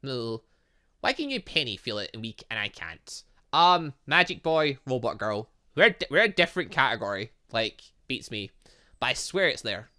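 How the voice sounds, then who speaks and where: A man's voice: medium pitch, normal speed. A man reading visual novel dialogue aloud as a gaming host, playfully breaking in with his own asides and reactions. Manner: animated, interjecting, playful asides.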